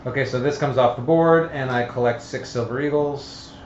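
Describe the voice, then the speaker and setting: A man casually explains rules while playing a tabletop game, thinking aloud in a halting way. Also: medium pitch, over a noisy crowd. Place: room, live stream of a group game. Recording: roomy, dull, lo-fi with faint noise.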